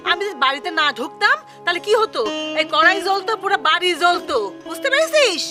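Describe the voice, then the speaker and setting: Needs a nagging middle-aged village mother, high and shrill, music bed behind. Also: very animated, fast. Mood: scolding. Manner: scolding, sharp tongue, repeated questions. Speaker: mother and wife in a TV serial. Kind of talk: TV drama acting. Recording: background music under the dialogue.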